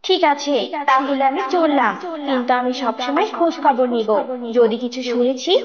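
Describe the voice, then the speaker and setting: Cartoon fairy: woman playing high, commanding protector, emphatic delivery, lo-fi audio with music beneath. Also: normal speed, a crowd in the background, lightly acted. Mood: stern, threatening. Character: stern protective fairy, threatening wrongdoers, gentle to children. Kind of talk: children's cartoon story voice acting. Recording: dull lo-fi audio over music.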